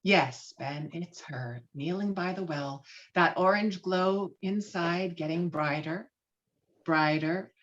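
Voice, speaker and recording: A woman reading screenplay stage directions with dramatic, expressive delivery over a video call. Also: fairly low pitch, slow pace, lo-fi sound. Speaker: stage directions reader at a table read.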